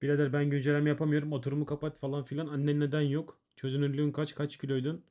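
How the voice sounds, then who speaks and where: A man's voice: a little high, little pitch movement, rapid-fire, dark tone. A man streaming, reading out viewers' ban appeals and answering them in blunt, profane casual chat. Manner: blunt and swearing, reading chat messages aloud.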